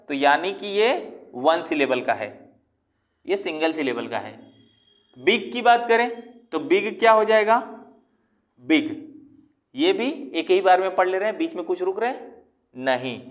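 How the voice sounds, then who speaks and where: A man with a fairly high voice gives a patient grammar lesson. He walks through each point step by step and poses questions to the viewer. Now and then he stretches a word out slowly to break it into parts. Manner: patient, explains step by step, drawls words out syllable by syllable; asks rhetorical questions to the viewer. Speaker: English teacher. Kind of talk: classroom-style grammar lesson.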